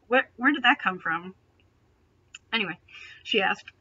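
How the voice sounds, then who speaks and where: A woman's voice: mid-range voice, expressive, a little slow, bright, forceful tone, muffled recording, slight background noise. A young adult woman reading a story aloud with dramatic delivery and sarcastic, mocking asides. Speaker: host reading fan fiction aloud. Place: small bedroom, indoors.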